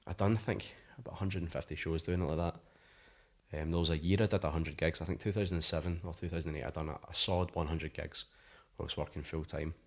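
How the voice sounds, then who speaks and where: In a low, steady voice, a Scottish man in his thirties speaks fast during a relaxed interview. A musician guest, he rambles and peppers his talk with "like."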